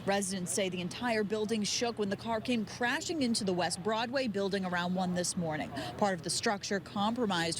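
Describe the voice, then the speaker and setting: A woman with an American accent giving a scripted live news report as a field reporter outdoors. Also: medium pitch. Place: outdoors on a city street. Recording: clear outdoor street and traffic noise.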